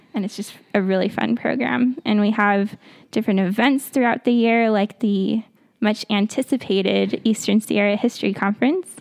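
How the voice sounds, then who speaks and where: A woman with an American accent uses an ordinary speaking voice, fairly high in pitch with ordinary pitch variation. She speaks at a moderate pace, and the sound is dry and close with no echo. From Salt Lake City, Utah. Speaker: nature educator guest. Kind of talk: casual interview.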